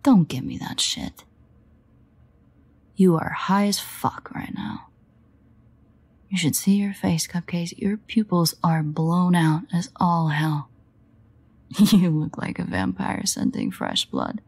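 Woman doing a sardonic vampire lady for audio roleplay, raspy n full of fry, awkward and dry-witted but fond underneath. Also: on the low side, sing-song, slow, long pauses, darkish tone, full character voice. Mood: teasing. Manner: wry, hesitant, sweary. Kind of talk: intimate audio roleplay monologue.

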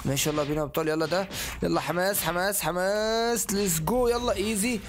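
Hyped Egyptian man gaming fast. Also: high voice, slight background noise. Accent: Egyptian Arabic. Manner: excitable, rapid exclamations, English catchphrases. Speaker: gaming channel host. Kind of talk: excited Let's Play commentary.

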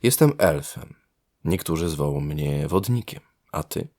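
A man voicing a gentle young male water elf, courteous and lyrical, in a storybook audio tale. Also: a bass voice, animated, unhurried, heavily acted.

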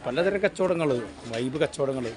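Amid the crowd noise of a busy street market, a man with a Kerala accent gives enthusiastic, repetitive walking vlog commentary, speaking Malayalam sprinkled with English words. His voice is fairly high, and he talks at normal speed.

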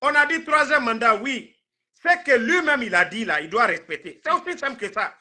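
A man's voice: very high voice, lively intonation, moderate pace, pushed and bright. A man in his thirties with a Guinean accent, talking politics on a live stream in an emphatic, indignant, repetitive way. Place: indoor room, video call.

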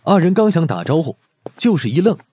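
A man narrating an audiobook story in an expressive, scripted storytelling style. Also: fairly high pitch, a little fast, slight background noise. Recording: music behind the voice.

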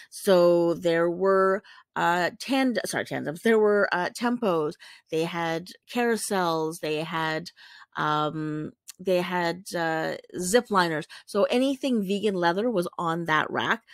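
A woman's voice: lowish voice, no room sound, clean studio sound. A woman talking casually as a vlogger over photos, rambling and correcting herself with many fillers. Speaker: vlogger describing a warehouse sale.

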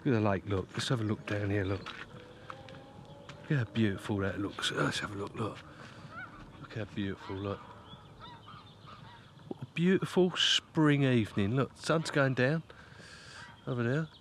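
A man's voice: on the low side, normal speed, long pauses, a little hiss or hum. Chatty man vlogging by a lake. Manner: chatty, repeats "look" often, coos at his dog. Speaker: fishing vlogger. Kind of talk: casual outdoor vlog. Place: beside a lake, outdoors by a tent. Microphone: handheld camera close to face.

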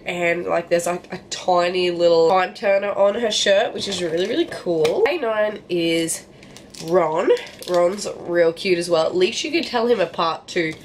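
A young woman in her twenties with a nasal voice, chatting casually and joking at her own expense while unboxing small figures for her book vlog at home. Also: on the low side. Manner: chatty and self-mocking, bubbly over small finds. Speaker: book vlogger. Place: home living room and bedroom, indoors. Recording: echoey room with faint background hiss.

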